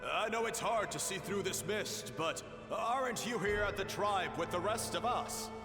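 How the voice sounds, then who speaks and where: High-voiced, spirited tribal chief. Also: male voice, moderate pace, long reverb tail, music in the background. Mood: puzzled, concerned. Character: spirited male tribal chief, loyal and bold. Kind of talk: video game voice acting.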